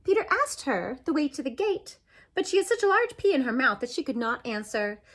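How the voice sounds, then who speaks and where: A woman reading a children's story aloud as an animated narration, expressive, with dramatic swoops and pauses. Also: sits high. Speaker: storybook reader.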